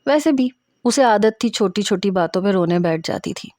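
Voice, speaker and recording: Young woman storyteller, steady first-person narration, mellow tone, dry close sound. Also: medium pitch, no room sound.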